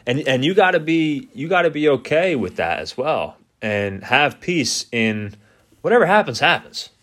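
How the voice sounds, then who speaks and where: A man's voice: mid-range voice, big pitch swings, normal speed, a bit bright. A young man co-hosting a casual podcast, speaking reflectively about faith and worry with many "you know"s. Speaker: podcast co-host. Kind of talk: casual chat.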